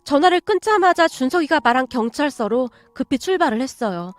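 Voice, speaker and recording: A woman reads a heartfelt radio story in a steady first-person voice. Her pitch is high, and faint music plays underneath. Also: a little fast, no echo. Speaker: story narrator.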